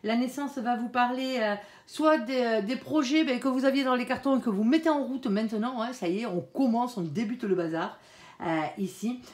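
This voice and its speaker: A woman's voice: on the high side, normal speed. A woman giving a casual tarot reading, talking chattily to her viewers and filling her speech with little interjections. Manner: chatty, peppers speech with "hein" and "alors"; softly pleads with her guardian angel between cards. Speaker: tarot card reader. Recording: echoey room.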